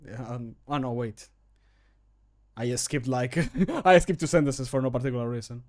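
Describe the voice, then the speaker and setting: A man's voice: mid-range voice, normal speed, a little mellow. A man in his thirties chatting casually as he records voice lines, self-critical and joking as he thinks aloud. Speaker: streamer recording mod voice lines. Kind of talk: casual livestream chat. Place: small home room. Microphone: close desk microphone.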